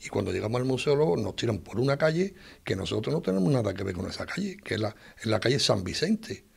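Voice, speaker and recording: A man's somewhat breathy voice at medium pitch, very fast, with very wide pitch swings. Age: 60s. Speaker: brotherhood leader. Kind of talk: interview. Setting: meeting room. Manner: halting, repetitive. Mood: indignant, complaining. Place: home room.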